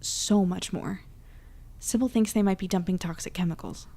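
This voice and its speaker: Actress as earnest young heroine in an audio drama, mellow n croaky with lots of fry, supportive. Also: female voice, lowish voice, normal speed. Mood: urgent. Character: Avra, guilt-ridden, supportive young woman, determined hero.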